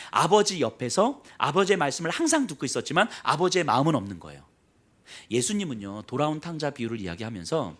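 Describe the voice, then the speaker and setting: Male pastor, sermon delivery; high, animated voice, brisk storytelling with acted asides. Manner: lively storytelling, acts out quoted voices, drops to soft low emphasis.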